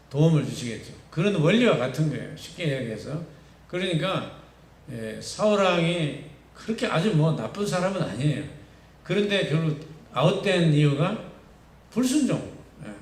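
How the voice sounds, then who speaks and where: A man with a Gyeongsang accent preaches to teenagers in a fairly high voice, chatty and full of questions to the room. He sounds distant from the microphone, and the church hall adds a roomy echo around every phrase. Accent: Gyeongsang Korean. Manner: conversational, keeps asking the listeners questions. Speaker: pastor for youth. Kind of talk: youth sermon. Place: church sanctuary.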